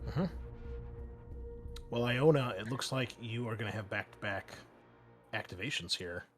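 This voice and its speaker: A man's voice: on the low side, a little slow, a bit bright, faint music behind. A man, acting as game master in a casual tabletop session, explaining rules informally as he goes.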